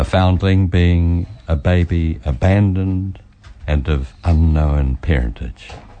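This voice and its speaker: With a very deep, low pitch, a man speaks at a very slow pace with ordinary pitch variation and very even loudness, amid noticeable background noise. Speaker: radio co-host and news reader. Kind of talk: radio presenting.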